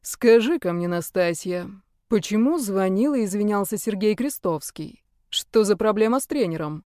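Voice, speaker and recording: A woman's voice: medium pitch, expressive, normal speed, darkish tone, no room sound, studio quality, close to an everyday voice. A woman reading the lines of a stern, protective middle-aged father who asks short, pointed questions. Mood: probing. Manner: curt, interrogating.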